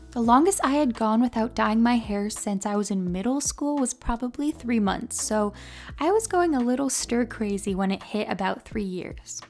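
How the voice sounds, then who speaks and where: A woman in her twenties with a New York accent, calmly telling a personal story to camera for her vlog. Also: a little high, vocal fry. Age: 20s. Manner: calm and mellow. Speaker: beauty vlogger.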